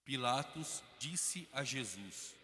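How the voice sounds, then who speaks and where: Brazilian male narrator, measured, slow, long church reverb. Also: mid-range voice, lively intonation, pushed and bright. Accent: Brazilian Portuguese. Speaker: narrator reader. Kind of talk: liturgical Passion reading. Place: large church.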